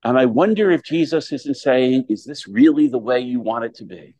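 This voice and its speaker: A man speaking as a Catholic priest, reading scripture and preaching in a measured, deliberate way with dramatic pauses. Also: medium pitch, dark tone. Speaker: Catholic priest giving a homily.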